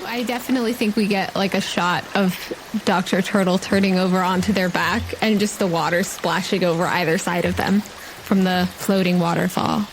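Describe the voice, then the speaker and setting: A woman's voice: lowish voice, steady tone, normal speed, noisy background. A woman running a tabletop game as game master, speaking casually and encouragingly. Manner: encouraging, affirming.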